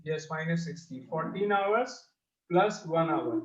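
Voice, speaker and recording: A man's voice: fairly high pitch, lively intonation, a little slow. A male maths teacher with a South Asian accent explains step by step to pupils, repeating his phrases. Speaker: mathematics teacher. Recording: dull, echoey lo-fi class audio.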